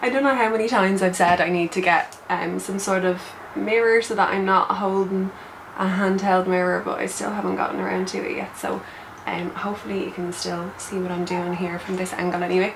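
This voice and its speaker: Amid noticeable background noise and audible room echo, a woman talks at a fairly quick pace with a medium pitch and fairly even intonation. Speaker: beauty YouTuber. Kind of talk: makeup tutorial. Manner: casual, filler-heavy.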